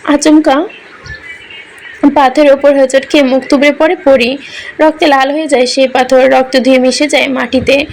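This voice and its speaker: A woman's voice: sits high, little pitch movement, normal speed, pauses often. A woman narrating a romantic story in an emotional, melodramatic reading style.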